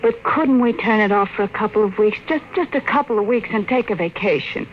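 A woman's voice: mid-range voice, brisk, close to an everyday voice. An actress playing an anxious, restless wife and mother in a 1950s radio drama, fretful and pleading. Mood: uneasy, unhappy. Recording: faintly noisy old radio recording.

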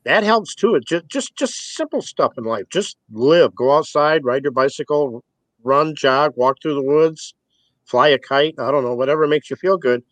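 A man's voice: a little high, normal speed, fairly bright tone, dry recording. A man in his sixties being interviewed, talking in a rambling, folksy way and chuckling between points. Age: 60s. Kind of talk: casual spoken interview.

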